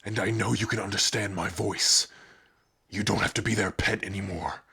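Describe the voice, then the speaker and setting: A man voicing an honorable young male orc warrior in a fantasy audio roleplay, earnest and measured. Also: fairly low pitch, fairly even intonation, creaky, sharp tone, slightly rough, heavily acted. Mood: hushed, compassionate.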